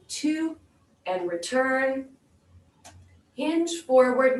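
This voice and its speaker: A woman with a slightly high voice leads an exercise class as the instructor. She speaks very slowly, giving step-by-step cues and counts. The sound is roomy and echoing, picked up from a distance. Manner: clear step-by-step cueing. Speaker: fitness instructor. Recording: roomy echo, distant microphone.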